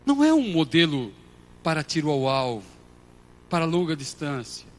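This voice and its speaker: A Brazilian man preaching a sermon as pastor, moving between quiet storytelling and loud shouted passages. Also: on the high side, big pitch swings, normal speed, slight background noise. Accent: Brazilian Portuguese. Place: church hall.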